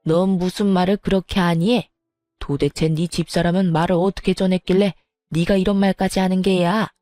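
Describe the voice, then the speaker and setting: Woman doing a sneering old mother-in-law for a narrated story, low dark voice. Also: steady tone, normal speed, no room sound, soft background music, close to an everyday voice. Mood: defensive. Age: older. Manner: dismissive, condescending. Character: older mother-in-law, defensive and contemptuous.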